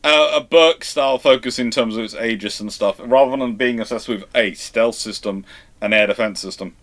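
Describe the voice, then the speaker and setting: A man's voice: mid-range voice, normal speed, a bit bright. A man hosting a live history question show over a video call, chatting casually and correcting himself as he rambles. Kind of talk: casual chat, answering viewer questions.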